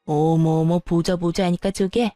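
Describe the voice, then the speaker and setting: A woman's voice: lowish voice, fairly even intonation, moderate pace, dark tone, dry recording, clean studio sound, soft background music, voice pushed down, close to an everyday voice. A woman voicing a whiny, scolding older mother-in-law in a narrated family story. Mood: indignant. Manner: whining, indignant.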